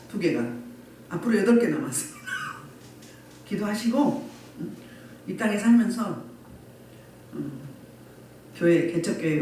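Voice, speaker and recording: A woman pastor delivers her sermon with a rising and falling, animated voice, prodding her listeners with questions again and again. She sounds distant from the microphone in a strongly echoing church room, with faint noise underneath. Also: mid-range voice. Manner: repeated rhetorical questions to the congregation. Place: church sanctuary. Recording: echoey room from far off.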